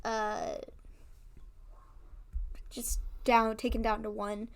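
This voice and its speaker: A woman co-hosting a casual wrestling recap, chatty and quick to laugh and act out quotes. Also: fairly high pitch, little pitch movement. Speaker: podcast co-host.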